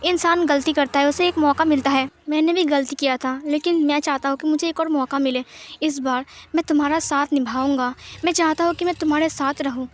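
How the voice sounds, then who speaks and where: Woman doing a gentle, pleading young man, soothing tone, fairly high voice, storybook. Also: steady tone, a little fast, natural voice. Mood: tender. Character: remorseful coaxing young man.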